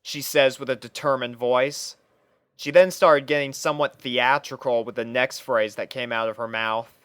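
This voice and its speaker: A man narrates a scripted fan story in the first person. His voice is smooth and clear, with a conversational storytelling manner. The recording is dry, with little room sound. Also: medium pitch, steady tone, moderate pace, a bit bright, no room sound. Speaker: narrator and reader playing the first-person lead.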